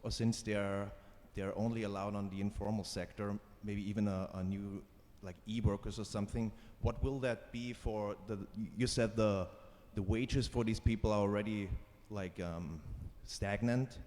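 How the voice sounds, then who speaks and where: Low-voiced young Austrian man, hesitant. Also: steady tone, normal speed, a little mellow. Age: young adult. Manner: hesitant, searching for words. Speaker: audience member, master's student. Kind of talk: asking a question at a lecture. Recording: reverberant lecture hall.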